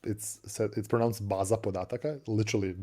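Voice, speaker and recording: Serbian guy, native serbian, chatting about tech on a stream, low mellow voice, keeps repeating words and laughing. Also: fairly even intonation, fast. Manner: chatty, laughs often, repeats words while searching for them. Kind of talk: casual tech chat.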